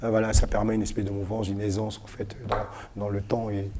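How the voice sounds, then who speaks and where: Man with a low, dark voice talking fast. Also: completely flat delivery, a little hiss or hum. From Cameroon. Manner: hesitant, many fillers and restarts. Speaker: guest artist. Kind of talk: casual interview talk. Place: web TV studio.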